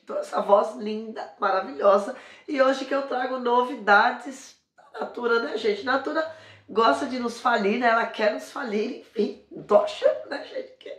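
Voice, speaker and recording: Speaking with a São Paulo Brazilian Portuguese accent, this woman in her forties works as a beauty vlogger and sales consultant and gives a chatty, casual product review straight to camera. Her voice is hoarse from a cold and a little high; she keeps saying "gente" and jokes about how she sounds. The brick-walled indoor room she's in is echoey.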